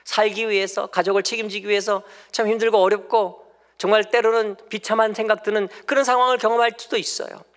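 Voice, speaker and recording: Male pastor, sermon in a church, fairly high voice, big swings from loud to hushed, dramatic delivery. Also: fairly even intonation, fast talker, big-room sound. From South Korea. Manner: drops to near whisper for tender lines and stories. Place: church sanctuary.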